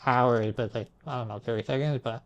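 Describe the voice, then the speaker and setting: A man's voice: mid-range voice, fairly even intonation, a little fast, lo-fi sound. A young man telling his dreams in a casual, rambling way, hazy and puzzled as he trails off into asides. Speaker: storyteller recounting own dreams.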